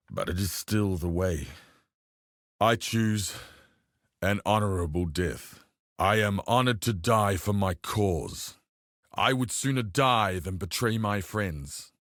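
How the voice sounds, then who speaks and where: A man playing a proud, honor-bound tribal warrior in a video game, speaking in a solemn, formal, measured way. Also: fairly low pitch, fairly bright tone, no echo, clean studio sound, full character voice. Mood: grave, resolute. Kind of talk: video game character acting.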